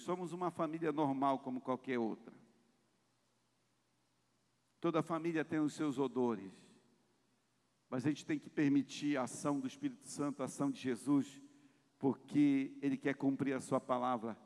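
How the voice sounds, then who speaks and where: A man preaching a sermon to his congregation at a family seminar, speaking with passion and often swelling in loudness. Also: medium pitch, moderate pace, long pauses. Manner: addresses congregation directly. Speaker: pastor. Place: church hall. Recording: long church reverb.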